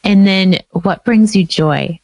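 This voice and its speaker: A woman's voice: mid-range voice, slow pace, a little mellow. A woman hosting a podcast, encouraging her guest as she asks questions and wraps up the show. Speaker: podcast host, dietitian. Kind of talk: interview and show outro.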